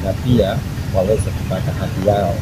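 Middle-aged Kenyan man, very low voice, firm advocate, heavy street traffic noise. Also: steady tone, moderate pace. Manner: mixes Swahili and English, firm advocacy tone. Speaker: programme coordinator of an advocacy group. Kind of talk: street interview statement. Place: outdoors on a city street by trees. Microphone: handheld reporter mic close. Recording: loud outdoor traffic noise. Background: traffic and street ambience.

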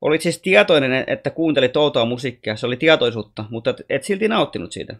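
A man voicing a wise, gentle alien boy who teaches calmly and patiently. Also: medium pitch. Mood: gently teaching.

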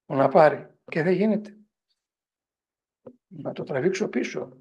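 A middle-aged priest and professor lecturing a parents' group in a digressive style, often asking the audience whether they agree. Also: male voice, on the high side, vocal fry, husky, muffled recording. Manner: animated, digressive storytelling.

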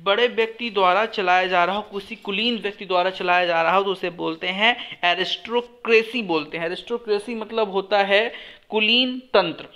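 A young male teacher with a high voice runs an exam lesson as if in front of a class. He asks a question, answers it himself, and says the answer again. English phrases come out slowly, one word at a time. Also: bright, forceful tone, muffled recording. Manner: explains step by step, repeats each answer, asks and answers his own questions.

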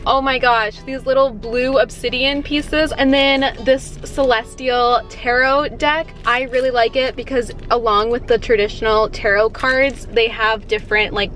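A young woman in her twenties chatting casually and excitedly in a vlog, talking to a camera on the dashboard from inside a parked car. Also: high-pitched. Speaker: vlogger. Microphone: camera mounted on the dashboard.

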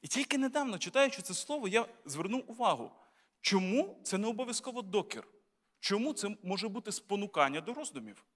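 High-voiced man preaching in a reverberant church. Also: big pitch swings, a little fast, a bit bright. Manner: conversational preaching with rhetorical questions to the congregation; lightly humorous, tells jokes. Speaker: bishop preaching. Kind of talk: sermon. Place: church sanctuary.

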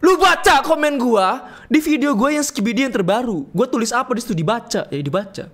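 Young streamer, high-pitched, loud joking banter over a horror game. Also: male voice, expressive, fairly quick. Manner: rowdy, joking, slangy, reads game text aloud. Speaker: gaming streamer. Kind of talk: livestream game commentary.

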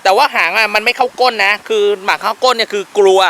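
A man's voice: high voice, steady tone, fast talker, creaky, fairly bright tone. A man working as a dog trainer, coaching an owner outdoors with firm, short commands and explanations. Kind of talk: on-location dog training instruction.

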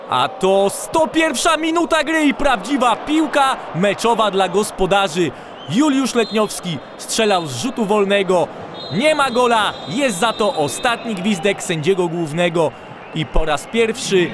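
Male highlights commentator, high voice, crowd roar underneath, rises to shouts on chances. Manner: calm narration breaking into shouts on chances. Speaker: sports commentator. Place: voice-over over stadium crowd sound. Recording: loud crowd and field noise underneath. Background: stadium crowd and noise.

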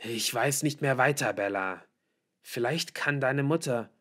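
A man's voice: mid-range voice, unhurried, fairly bright tone, pitched above the performer's own voice. A man voicing a worried, frustrated middle-aged father in an audiobook, pleading insistently and emphatically with his daughter.

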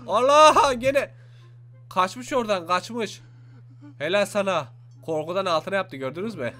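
A young man giving excited let's-play commentary, exclaiming and talking to his viewers as he plays. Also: high-pitched, normal speed. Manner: animated, exclaims and talks to viewers. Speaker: gaming YouTuber. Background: faint game music.

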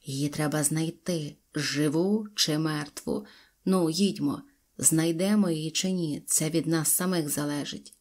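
Gruff angry robber chief, voiced by a woman, lowered voice, slow commands, storybook reading. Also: fairly even intonation, a little mellow. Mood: commanding.

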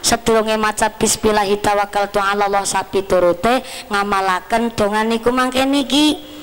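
A woman's voice: medium pitch, steady tone, normal speed, slight background noise. A woman Muslim preacher with a Javanese accent, giving a folksy sermon with teasing humour at a live gathering. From Central Java, Indonesia. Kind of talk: lively sermon mixing teaching with humour.

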